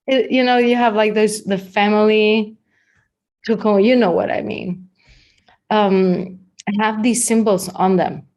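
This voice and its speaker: A woman with a Danish accent teaching body language in a chatty, unhurried workshop talk, with many fillers and restarts. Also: mid-range voice, fairly even intonation, a little mellow, dull audio. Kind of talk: live-streamed workshop talk.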